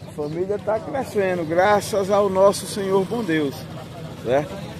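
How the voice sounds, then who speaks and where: A man's voice: high voice, measured pace. A man with a Northeastern Brazilian accent, chatting casually as he films an outdoor animal market. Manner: chatty, keeps pointing things out. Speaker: vlogger filming a market. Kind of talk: casual walking vlog commentary. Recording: crowded outdoor market noise.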